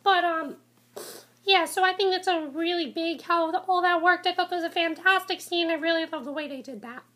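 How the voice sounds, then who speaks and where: A woman's voice: extremely high pitch, brisk, pushed and bright. A woman casually reviewing a TV episode, congested from a cold, rambling with many ums and restarts.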